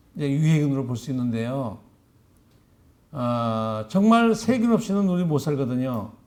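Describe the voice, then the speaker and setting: Audible room echo surrounds a man speaking at a fairly slow pace. His fairly high pitch swings very widely. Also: long, frequent pauses. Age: 70s. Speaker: lecturer, inventor and entrepreneur. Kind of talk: lecture. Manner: halting, with frequent fillers.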